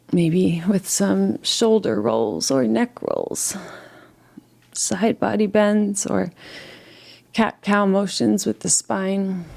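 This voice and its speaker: A woman leading a guided relaxation meditation in a gentle, soothing, unhurried way, leaving long pauses between phrases. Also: lowish voice, gravelly.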